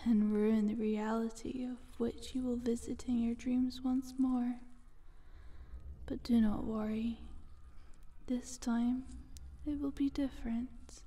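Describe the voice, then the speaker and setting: Woman playing a slow, half-whispering sly eldritch monster. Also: fairly high pitch, mellow. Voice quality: breathy, often whispered. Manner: slow, teasing, condescending. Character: sly, taunting female eldritch monster from a dream world. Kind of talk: ASMR roleplay, soft half-whispered monologue.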